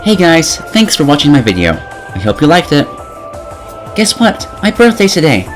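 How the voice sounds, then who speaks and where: A young man of twenty delivers a scripted game review. His voice is animated and moves widely in pitch, with a sarcastic, opinionated edge. Light music plays behind him. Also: moderate pace. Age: 20 years old. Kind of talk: scripted video review narration.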